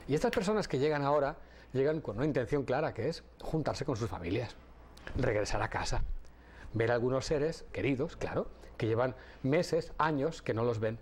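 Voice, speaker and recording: A middle-aged man from Catalonia, a guest audiologist on a TV talk show, explaining things in a measured way with some hesitant restarts. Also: mid-range voice, a little mellow. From Catalonia, Spain. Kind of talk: TV interview.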